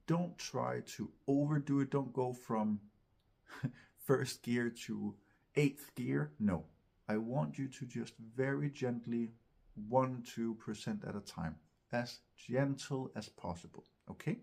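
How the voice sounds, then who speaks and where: A man teaching vocal technique in an instructional video, explaining gently step by step and often checking in. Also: medium pitch, vocal fry. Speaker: vocal coach, host of a tutorial series.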